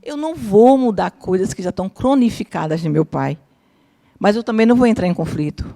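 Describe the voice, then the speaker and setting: A woman's voice: medium pitch, a little fast, gravelly. A woman around fifty, a psychologist teaching a spiritist course, tells personal family stories to a live audience, keeps asking whether they follow, and acts out what her relatives said. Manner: lively, keeps checking in with listeners, acts out quoted family members. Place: lecture room with a live audience.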